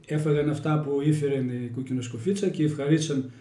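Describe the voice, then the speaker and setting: A man's voice: fairly high pitch, steady tone, dark tone. A man with a Kozani accent telling folk tales in a homely, folksy way, often restarting his sentences. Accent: Kozani Greek dialect. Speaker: storyteller interviewee. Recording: roomy echoey room.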